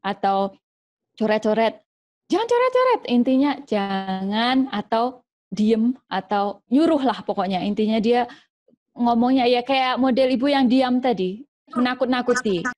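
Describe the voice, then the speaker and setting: A woman doctor talks through parenting advice in a casual, lively way, often slipping into examples of scolding parents. Her voice sits fairly high for a woman. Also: measured pace. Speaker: doctor giving parenting tips. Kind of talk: informal educational talk.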